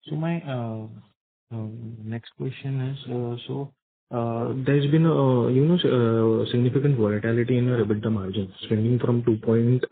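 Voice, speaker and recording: A man, an individual investor asking questions politely and hesitantly on an earnings call. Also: mid-range voice. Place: phone call. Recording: tinny narrow phone line.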